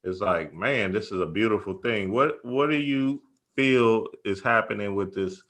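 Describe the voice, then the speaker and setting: A man's voice: fairly low pitch, a little slow, a bit bright. A man hosting a casual spiritual interview, effusive and admiring, chiming in with agreement. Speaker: host, interviewer.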